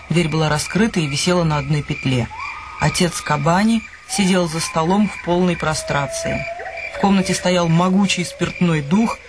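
A man's voice: a little high, noisy background. A man delivering dramatic, scripted narration as the storyteller of a radio play. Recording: music behind the voice.

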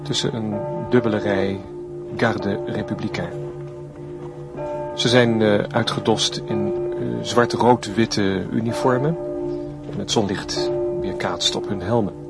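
An actor playing a reverent 1950s radio reporter, commentating hesitantly on a solemn ceremony in a radio play. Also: male voice, fairly low pitch, steady tone, slow. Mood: hushed, reverent. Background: music.

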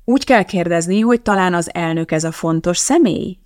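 A woman's voice: on the low side, lively intonation, a little mellow, lightly acted. A woman voicing a strict, irritable schoolteacher who scolds her class in an audiobook. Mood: stern. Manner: scolding, bossy.

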